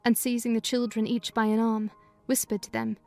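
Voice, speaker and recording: Female audiobook narrator, measured storytelling, slightly high voice. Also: level tone, vocal fry, darkish tone, no echo, soft background music. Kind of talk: dramatized audiobook reading.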